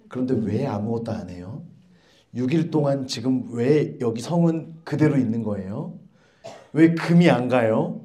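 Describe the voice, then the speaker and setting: A man's voice: sits high, a little mellow. A man in his thirties preaching a sermon as pastor, asking the congregation questions and acting out grumbling voices. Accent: Korean.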